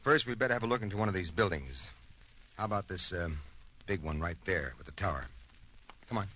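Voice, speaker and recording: An actor playing a brisk, level-headed rocket ship commander in old radio drama style, clipped and matter-of-fact. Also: male voice, deep voice, animated, pushed and bright, rough recording. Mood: commanding. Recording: old radio recording with faint noise.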